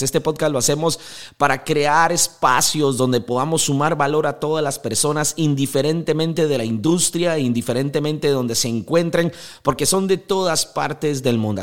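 A young adult man with a Costa Rican accent, hosting a motivational podcast and speaking in an energetic, emphatic, preaching manner. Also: a little high. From Costa Rica. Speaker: podcast host.

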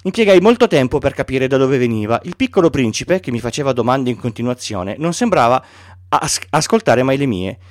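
A man's voice: mid-range voice, sing-song, fairly quick, no echo, clean studio sound. A male podcast host reading a storybook aloud, with frequent stumbles and restarts.

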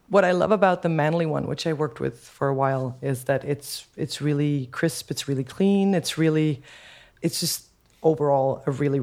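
A female music producer with a deep, dark voice chats as a guest on a podcast. She sounds enthusiastic but hesitant, filling her casual talk with lots of fillers and restarts.

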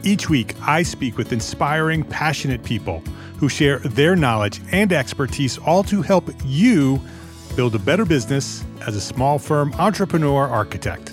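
A man's voice: mid-range voice, expressive, normal speed, faint music behind. A man hosting an architecture podcast, introducing his guest and asking questions in a friendly, conversational way. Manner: upbeat promo read, then conversational. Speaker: podcast host.

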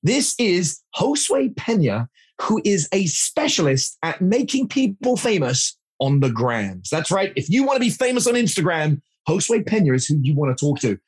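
A man's voice: high-pitched, very animated, moderate pace, husky. A man hosting a podcast with an emphatic, showman-like way of talking. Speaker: podcast host. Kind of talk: upbeat scripted intro and casual interview.

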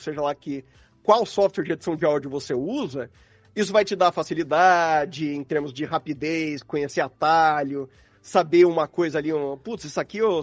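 A Brazilian man with a slightly high voice explains things in casual, rambling, slang-filled conversation, much like a podcast guest. The recording is dry.

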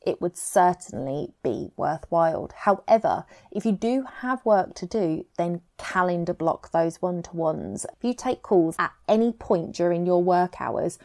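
A woman with an English accent hosting a scripted advice podcast in a tidy, measured way, setting out points clearly. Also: fairly low pitch, lively intonation, warm tone. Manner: tidy, measured, numbered-tip delivery. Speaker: podcast host.

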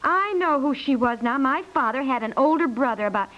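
An actress playing an excitable, chatty housewife in a 1950s radio comedy, rambling and exclaiming breathlessly. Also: female voice, high voice, brisk. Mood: chatty, recollecting. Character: excitable, chatty young-to-middle-aged housewife inheriting money. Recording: muffled vintage 1950s radio recording.

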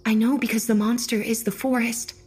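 A man voicing an eerie, pale, inhuman girl creature in a soft, breathy voice for an audiobook. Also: very high-pitched, level tone, fairly quick, faint music behind, voice pushed up. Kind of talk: audiobook character voice.

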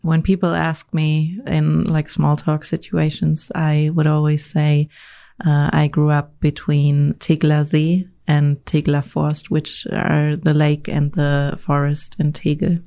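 A woman in her thirties, originally from Germany, talking thoughtfully as a guest in a studio interview, pausing often with fillers. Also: sits low, monotone, creaky, warm tone. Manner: thoughtful, with frequent fillers and restarts. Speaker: guest, media company CEO. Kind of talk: reflective interview conversation. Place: podcast studio.

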